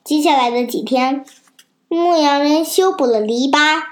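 A young child reads a fable aloud in a high voice. The pace is slow and careful, like reading from a storybook. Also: female voice.

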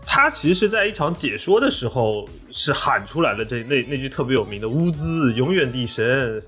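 A man's voice: mid-range voice, sing-song, fairly quick, bright, forceful tone, soft background music. A man talking casually on a podcast in a blunt, joking manner. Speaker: podcast host. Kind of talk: casual chat.

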